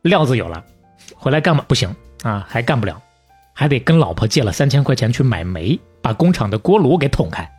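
A man with a Beijing accent hosting a podcast, telling stories in a lively, colloquial, folksy conversational way. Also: medium pitch, fairly quick, husky, faint music behind. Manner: colloquial and folksy, with proverbs and acted-out asides. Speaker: podcast host.

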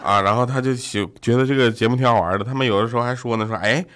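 A man's voice: mid-range voice, fairly even intonation, racing, a bit bright, slight background noise. A young man hosting a comedy radio show, telling funny stories about family and friends and laughing often. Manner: jokey, laughs often, mimics family in quotes. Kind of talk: comedic storytelling chat.

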